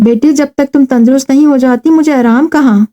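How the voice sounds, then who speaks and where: A woman's voice: sits high, mellow, lightly acted. A woman reading a fretful doting mother. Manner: pleading, fretful. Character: middle-aged mother, anxious, doting, pleading.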